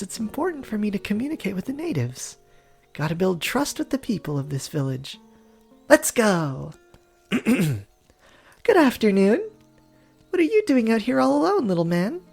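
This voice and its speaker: A woman's voice: a little high, very animated, unhurried, creaky, long pauses, darkish tone, slightly rough, faint music behind, exaggerated voice. A woman voicing an earnest young foreign woman in a story game, chatty, easily flustered and prone to stammering. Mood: earnest, polite. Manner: stammering, indignant when teased. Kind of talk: dramatic character voice reading of a story game.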